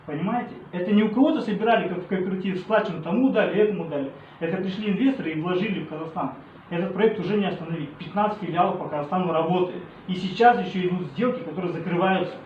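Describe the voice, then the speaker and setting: A man's voice: high-pitched, racing, echoey room, highs cut off, slight background noise. A man representing a company, insistently pleading with an angry crowd.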